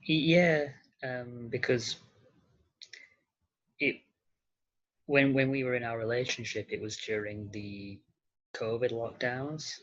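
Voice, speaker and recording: A man talking casually as an interview guest, hesitant and halting, with an understated way of speaking. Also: mid-range voice, steady tone, fairly bright tone, highs cut off. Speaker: podcast guest, model and actor.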